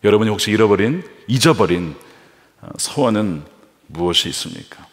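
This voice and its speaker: Animated male pastor in an echoing church. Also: lowish voice, normal speed, creaky. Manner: animated, acts out quoted voices. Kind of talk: sermon. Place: large church sanctuary. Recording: reverberant church hall.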